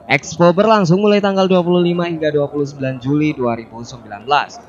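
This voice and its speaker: A young man reading a regional news report in a steady, formal manner. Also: fairly high pitch, fast, muffled recording. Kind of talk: read news narration.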